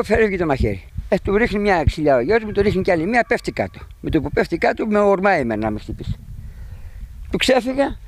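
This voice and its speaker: Agitated, high-voiced middle-aged man. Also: a little hiss or hum. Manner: agitated, animated retelling. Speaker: sheep pen owner telling of an intruder. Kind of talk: eyewitness account to a reporter. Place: outdoors at his sheep pen.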